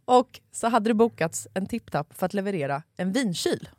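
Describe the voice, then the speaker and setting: Brief: woman podcast co-host, mid-pitched, swears as she tells an animated story, dry close mic. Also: no room sound. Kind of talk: casual chat.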